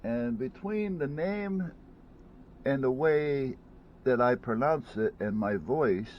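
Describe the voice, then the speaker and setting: A man's voice: mid-range voice, expressive, slow, dull audio, slight background noise. A man chatting casually at home about a headset he bought, rambling, with many restarts and fillers. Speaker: vlogger reviewing gadgets. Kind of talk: casual unboxing chat.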